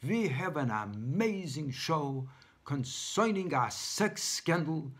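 A man's voice: a little high, lively intonation, slow pace, a bit bright. A middle-aged man presenting a parody TV show as host and reporter. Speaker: comedy performer playing show host and reporter.

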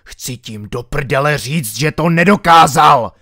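A man doing a gruff, cursing villain. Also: low voice, dry recording, clean studio sound, voice pushed down, natural voice. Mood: gruff snarling. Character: ruthless foul-mouthed male scientist on the run.

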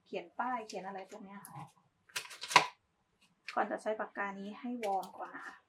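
A woman's voice: mid-range voice, steady tone, normal speed, very noisy. A woman giving a casual, polite step-by-step craft tutorial, talking as she demonstrates. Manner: informal, polite, talks while demonstrating.

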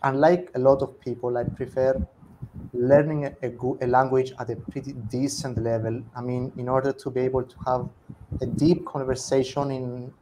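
A young Cypriot man speaks English with a Greek accent at a middle pitch, relaxed and thoughtful, often correcting himself mid-phrase. His voice comes through an earphone mic on a video call from a room at home, with a faint hiss behind it. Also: moderate pace, rough recording. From Cyprus. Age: young adult. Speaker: guest. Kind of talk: casual video-call interview. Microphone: earphone headset on a video call.

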